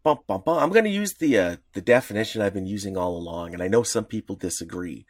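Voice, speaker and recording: A man co-hosting a casual podcast, explaining in a rambling, halting way full of restarts. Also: fairly low pitch, expressive, no room sound, clean studio sound. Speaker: podcast co-host.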